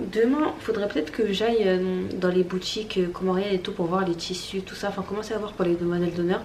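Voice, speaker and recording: A woman talks while noticeable noise carries on behind her. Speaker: vlogger. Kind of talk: vlog. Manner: casual.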